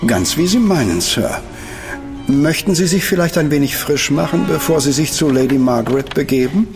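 A formal, courteous butler whose lively intonation rises and falls as he fusses over his master. Music is clearly heard behind him in this studio radio play. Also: a little high, normal speed. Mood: deferential. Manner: polite, deferential. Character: formal, solicitous household butler. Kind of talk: German radio drama acting.

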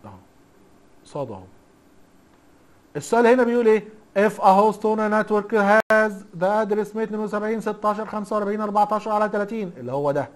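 This man speaks in a high voice at a quick pace, an Egyptian-accented IT instructor leading a relaxed recorded class. He keeps things chatty and playful, constantly testing his students with rhetorical questions.

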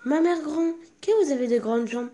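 A woman's voice: high-pitched, normal speed, mellow, pitched above the performer's own voice, natural voice. A woman reading the part of a trusting little girl in a red hood, in an earnest, lightly lifted voice. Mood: wondering.

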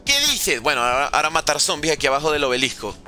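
A man's voice: a little high, fairly even intonation, racing, bright, forceful tone, soft background music. A man streaming live gameplay, commenting and joking playfully with chat while using Mexican slang. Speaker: gaming streamer.

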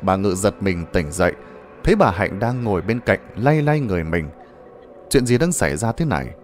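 A man's voice: lowish voice, lively intonation, normal speed, a little hiss or hum. A man narrating a ghost story in a dramatic, suspenseful manner.

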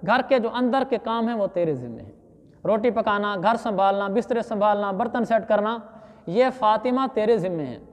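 Guy teaching quran commentary, reciting arabic bits, telling little stories, long echo in the hall. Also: sits high. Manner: storytelling with Arabic recitation and quoted dialogue. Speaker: Islamic scholar giving Quran commentary.

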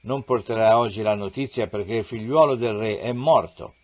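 A man's voice: lowish voice, normal speed, natural voice. A man voicing a stern army commander who speaks firmly and gives orders, in a dull lo-fi recording.

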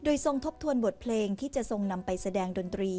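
A woman news narrator reading a scripted royal news report in a formal, measured way. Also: on the high side, lively intonation. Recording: voice-over with soft music underneath. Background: faint music.

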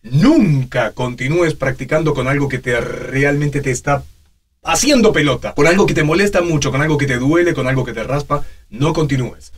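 A man in his forties giving informal, animated instruction as a voice coach in a small studio. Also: a little high, moderate pace. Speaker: voice actor teaching a tutorial. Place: small home voice studio, indoors.

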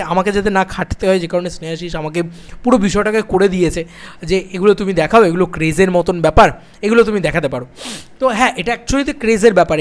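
A young man chatting to camera as a film vlogger, excited and piling up repeated phrases. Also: high voice. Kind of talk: casual direct-to-camera film chat.

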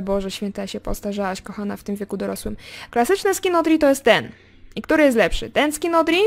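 A young woman hosting a casual game commentary, chatting straight to her viewers and swinging between excited remarks and quiet muttered asides. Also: mid-range voice. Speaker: gaming video host. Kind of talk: casual let's play commentary.

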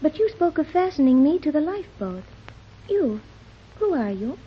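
A formal, oddly detached teenage girl raised on a strange island, in an old radio serial. Her voice is high and lively, her phrasing precise and proper. The recording is dull with a faint hiss. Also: normal speed. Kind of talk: 1930s radio drama acting.

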